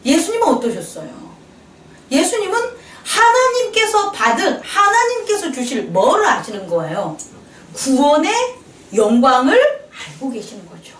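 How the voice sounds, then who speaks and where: Animated high-voiced woman preaching in an echoey hall. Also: moderate pace, distant mic. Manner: lively and playful, acting out quoted voices, laughing often. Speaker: pastor. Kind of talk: sermon. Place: church hall.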